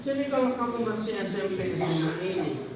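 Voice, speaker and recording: A male preacher giving an animated sermon, telling a story and quizzing his congregation directly. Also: sits high, a little fast, a loud crowd. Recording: echoey hall from far off with faint noise.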